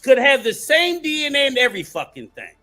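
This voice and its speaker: A man's voice: very high voice, wildly swooping pitch, a little fast, pushed and bright, faint music behind. A man on a podcast panel debating heatedly, insisting on finishing his point.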